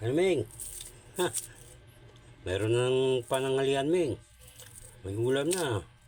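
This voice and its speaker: Fairly slow, lively speech from a man at medium pitch, broken by long, frequent pauses. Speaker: cooking vlogger. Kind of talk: casual cooking vlog narration.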